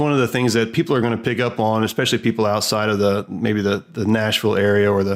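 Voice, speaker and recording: Talking very fast with hardly any pauses, a man with a slight Southern US accent keeps a fairly low pitch, very even loudness and ordinary pitch variation. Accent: little Southern accent, blames MTV. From Tennessee, rural West Tennessee (Jackson). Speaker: podcast host. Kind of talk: podcast interview.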